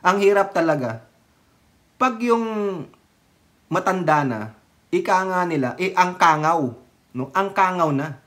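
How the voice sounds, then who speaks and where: A political vlogger rants in a casual, mocking way, breaking into laughter often and throwing in curses. The voice swings sharply up and down in pitch and loudness. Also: animated, measured pace, pauses often.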